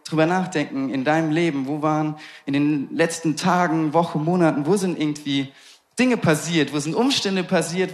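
Fervent young preacher man, highish voice. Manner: fervent, repeated rhetorical questions; casual interjections of "hey". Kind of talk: sermon.

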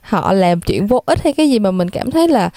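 Woman co-host, mellow tone, dry close sound, thoughtful casual talk. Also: mid-range voice, big pitch swings, a little fast, no echo. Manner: reflective, mixes English words into Vietnamese. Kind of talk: casual chat.

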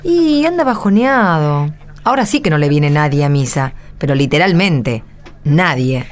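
A woman's voice: low-pitched, animated, normal speed. A woman with an Argentine accent playing an anxious, puzzled parish churchgoer in a radio drama. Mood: worried. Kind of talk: Spanish-language radio drama acting and narration. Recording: music under the voice. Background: music.

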